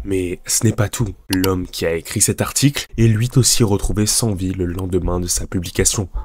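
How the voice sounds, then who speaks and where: A soft-spoken man talks at a fairly slow pace with a very deep, low pitch and fairly even intonation. Music plays in the background. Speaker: anime YouTuber. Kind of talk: scripted narration.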